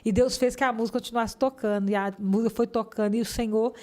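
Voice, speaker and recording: Woman telling her faith testimony, fervent, warm voice a bit high. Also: fairly even intonation, fast. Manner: fervent, acts out the voices of people in her story. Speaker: guest giving a testimony. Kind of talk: emotional religious testimony.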